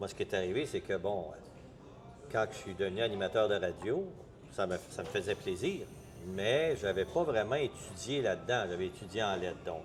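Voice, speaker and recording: Music plays in the background as a man speaks at a fairly low pitch. His pace is moderate, with ordinary pitch variation and long, frequent pauses. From Quebec (Granby, Eastern Townships). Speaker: magazine owner, former journalist and radio host. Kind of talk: interview.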